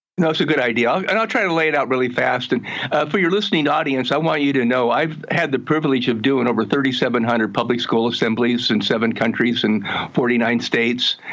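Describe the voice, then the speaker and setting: A man with an American accent at a very fast pace, his loudness very even throughout. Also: medium pitch for a man, ordinary pitch variation. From Southern California. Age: 70s. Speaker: motivational speaker. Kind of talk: interview.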